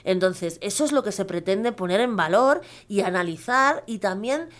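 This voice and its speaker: A woman's voice: medium pitch, lively intonation, normal speed. A middle-aged woman from Spain with a Castilian Spanish accent, speaking earnestly as a guest in a live radio interview, often adding tag questions and fillers. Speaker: guest lawyer and activist.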